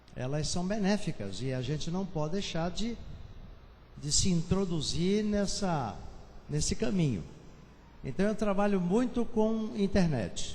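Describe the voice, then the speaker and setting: With audible room echo, a man with a high pitch and a dark, mellow tone speaks fairly slowly in a lively intonation, pausing long and often. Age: 60s. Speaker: pastor. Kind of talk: church announcements. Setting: church.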